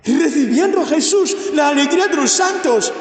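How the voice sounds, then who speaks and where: A man's voice: extremely high pitch, expressive, moderate pace. A priest, a man who is not a native speaker, preaching a homily at a healing mass with fervent, repeated invocations that rise into exclamations. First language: not Spanish. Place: church. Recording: echoey church with long reverb.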